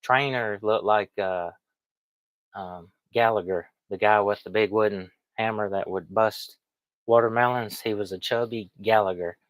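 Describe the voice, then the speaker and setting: A man with a cold, slightly sniffly, chats in a folksy, rambling way to viewers. His voice sits fairly low. The sound is close and dry. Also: steady tone, a little slow, no echo, low-quality recording. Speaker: online reseller streaming. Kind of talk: casual livestream chat.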